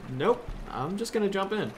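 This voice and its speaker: A man's voice: high-pitched, animated, moderate pace. A man playing a goofy, carefree young handyman in an audio drama, with a casual, breezy delivery. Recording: outdoor water ambience, faint noise.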